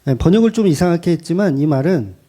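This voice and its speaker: A male pastor preaching a sermon in a blunt, colloquial, animated way. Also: fairly high pitch, quick pace.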